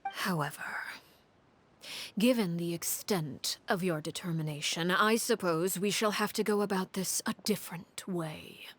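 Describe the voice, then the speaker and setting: A woman's voice: lowish voice, breathy edge. A woman voicing a stern female head of a household in a game, who speaks coldly and formally. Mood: cold commanding. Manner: cold, formal, unhurried. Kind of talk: game cutscene voice acting.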